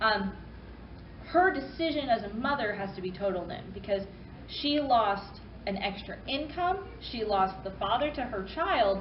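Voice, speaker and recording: A woman with an Oklahoma accent swings her pitch very widely, with audible room echo and noticeable background noise. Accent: lazy-sounding regional Oklahoma speech. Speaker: therapist and convention panelist. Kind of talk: convention panel talk. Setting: convention panel room with audience. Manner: fast.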